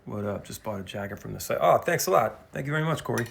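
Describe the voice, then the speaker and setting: A man on a casual live stream from his phone, rambling and swearing as he talks with his mouth full and often clears his throat. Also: mid-range voice, animated, fast talker, slight background noise. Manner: talks while eating. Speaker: musician livestreaming to fans. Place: at home grill, cooking dinner. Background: sizzling food on the grill.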